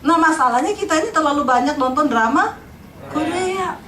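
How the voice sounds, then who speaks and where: A middle-aged woman pastor from Sulawesi giving a humorous, lively sermon. She laughs often and teases the congregation. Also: high voice, quick pace, slight background noise. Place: large church hall. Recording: echoey church hall from far off.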